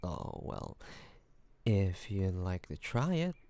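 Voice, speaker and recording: A man playing a charming, hospitable mafia boss in an intimate audio roleplay, talking in a relaxed, playful, teasing way to one listener. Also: deep voice, takes it slowly, no echo, full character voice. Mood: flirty, teasing. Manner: relaxed, playful storytelling with frequent soft chuckles.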